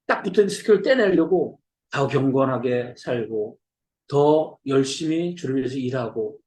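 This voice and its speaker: A man's voice: a little high, darkish tone, echoey room. A man preaching a sermon as a missionary, in a conversational way that keeps checking in with his listeners. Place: church hall.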